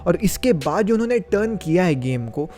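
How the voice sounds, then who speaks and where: A man's voice: high-pitched, sing-song, a little fast, darkish tone, faint music behind. Opinionated young man. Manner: chatty, opinionated, emphatic. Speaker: football video reviewer. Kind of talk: casual football match review.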